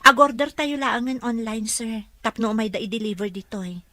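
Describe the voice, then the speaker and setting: A woman's voice: a little high, steady tone, moderate pace, bright, forceful tone. A woman playing a friendly female caregiver to a mansion boss in an Ilocano audio drama. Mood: helpful, polite.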